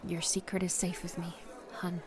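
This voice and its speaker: A woman playing a protective, reassuring and quietly suspicious close friend in an audio drama. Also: on the low side, monotone, normal speed, noisy background, close to an everyday voice.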